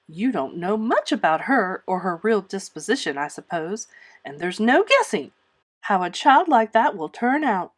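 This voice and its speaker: A woman's voice: mid-range voice, sing-song, moderate pace. A woman voicing a blunt, disapproving older busybody neighbour in a storybook, emphatic and bossy. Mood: gloomy.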